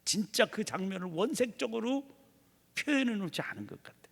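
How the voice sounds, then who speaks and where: A man's voice: sits high, expressive, a little fast, gravelly, fairly bright tone, breathy edge, long reverb tail. A man preaching an early morning prayer sermon in a church, acting out imagined prayers as he teaches. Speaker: pastor. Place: church sanctuary.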